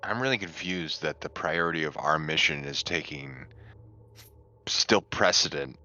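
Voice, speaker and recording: Male player, very deep and intensely forceful voice, casual talk, dull recording. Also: unhurried. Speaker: tabletop game player.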